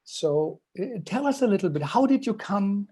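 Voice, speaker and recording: A man's voice: sits high, lively intonation, moderate pace, dark tone, husky. A man hosting an interview over a call, asking questions in a hesitant way and searching for words. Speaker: host.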